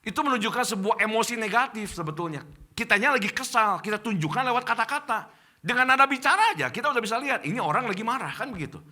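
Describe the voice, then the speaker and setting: A man's voice: very high-pitched, fast talker. A middle-aged male pastor with an Indonesian accent preaching a sermon to his congregation in church, addressing them directly. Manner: addresses congregation as Bapak Ibu, animated preaching.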